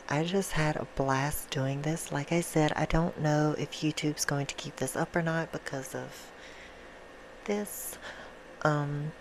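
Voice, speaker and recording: A soft-spoken woman chatting casually and affectionately to her viewers in an ASMR style, with an informal, self-deprecating manner. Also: sits low, slight background noise, poor audio. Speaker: ASMR video creator and host.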